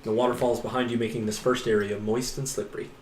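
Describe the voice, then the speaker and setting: A man running a tabletop game, talking at an even middle pitch as he lays out each scene without rushing. He chuckles now and then. The sound is roomy and echoey, with a faint hiss underneath. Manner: unhurried, descriptive, chuckles often. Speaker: game master. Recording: echoey room with faint noise.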